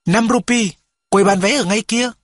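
A man's voice: high-pitched, moderate pace, no echo, studio quality, voice pushed up. A man voicing a polite, earnest teenage boy. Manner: polite, respectful.

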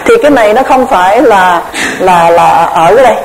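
Woman, dharma lecture, measured, halting repeats, mid pitch, light background hiss. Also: lively intonation, poor audio. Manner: measured, explanatory, often repeats words while searching. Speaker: Buddhist Abhidhamma teacher.

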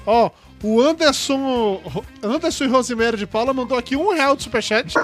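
A man's voice: very high voice, moderate pace, fairly bright tone, faint music behind. A man hosting a casual live podcast from home, joking and teasing as he reads out donations. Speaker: podcast host reading superchats. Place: home, remote live call.

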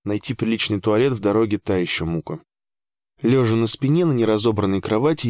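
A man narrating a first-person audiobook in an even, measured way with dry understatement. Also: lowish voice, no room sound.

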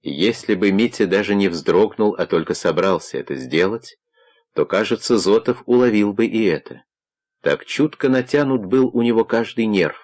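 Male audiobook narrator, deep voice, steady measured delivery.

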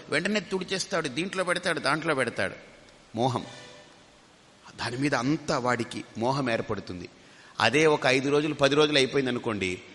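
A man's voice: fairly high pitch, fairly bright tone. A man teaching as a swami in a spiritual discourse, telling stories and acting out what people said, mixing in English phrases. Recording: long hall reverb.

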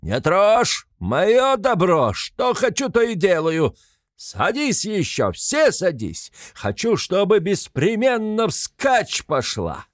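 A man's voice: high voice, wildly swooping pitch, takes it slowly, no room sound, studio quality, voice pushed up, heavily acted. A man voicing a drunken, brutal peasant cart owner, bellowing and raucous. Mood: furious.

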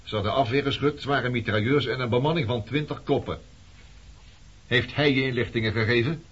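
A man's voice: mid-range voice, a little fast, breathy edge, close to an everyday voice. An actor in a Dutch radio play playing a sardonic man back from the past, coolly needling and provoking. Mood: accusing. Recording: dull, noisy old radio play recording.

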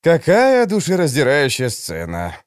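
A man's voice: a little high, huge pitch swings, measured pace, no echo, clean studio sound, pitched above the performer's own voice. A man reading an audiobook, voicing a smug, theatrical grown man with a grandiose, mock-dramatic manner.

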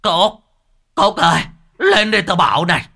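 A man voicing a greedy, harsh old rich landowner who barks orders in a gruff, bossy way. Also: a bass voice, very animated, fairly quick, sharp tone, no room sound, studio quality, heavily acted. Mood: angry.

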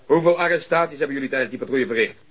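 Gruff husky cop, blunt, bossy and sarcastic, radio crime play. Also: male voice, mid-range voice, racing, fairly bright tone. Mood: angry, commanding. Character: gruff, exacting, short-tempered police detective. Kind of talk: Dutch radio crime drama acting.

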